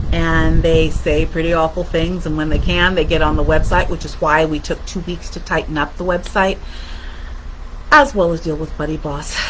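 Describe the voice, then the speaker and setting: Amid noticeable background noise and audible room echo, a woman talks at a moderate speed. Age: 50s. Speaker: racial justice commentator. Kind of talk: livestream monologue. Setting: live stream from office.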